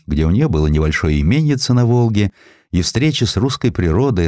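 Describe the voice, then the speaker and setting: Deep-voiced man narrating history. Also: darkish tone, dry recording, studio quality. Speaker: audiobook narrator. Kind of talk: scripted literary narration of a historical sketch.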